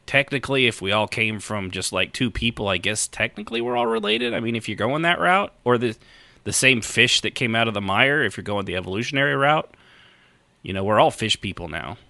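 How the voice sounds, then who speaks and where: A man chatting casually as the host of a live gaming podcast, joking and rambling in a halting way. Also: on the low side, big pitch swings, bright, forceful tone, no echo.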